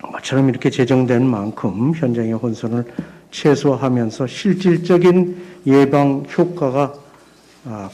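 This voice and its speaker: Mellow-voiced man giving formal remarks. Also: medium pitch. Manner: measured, frequent hesitation fillers. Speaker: opening speaker at a policy seminar. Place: seminar hall.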